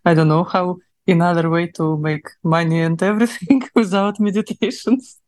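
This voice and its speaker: A woman's voice: lowish voice, fairly even intonation, moderate pace, a little mellow, no echo, studio quality. A young adult woman from Russia speaking English with a Russian accent, chatting as an interview guest with many fillers and laughs. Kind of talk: casual interview chat.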